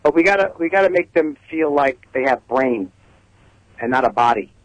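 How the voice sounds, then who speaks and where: Brooklyn-accented man calling in, higher voice. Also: animated, no echo. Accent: heavy Brooklyn. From Brooklyn, New York. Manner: halting, hesitant phrasing. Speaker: caller. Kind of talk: opinionated radio call-in talk. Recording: radio call over telephone line.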